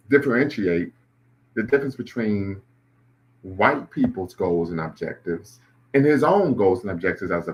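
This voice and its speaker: Deep husky man hosting a stream. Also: low-quality recording. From Ohio, US. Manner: reacting to clips and chat, conversational. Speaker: host. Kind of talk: live-stream commentary.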